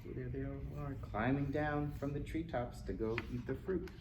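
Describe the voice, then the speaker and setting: The library storytime reader here is a man with a mid-range, fairly even voice, reading picture books to young kids at a moderate pace. Between pages he chats playfully with them and performs animal sounds and exclamations, against a roomy echo and faint background noise.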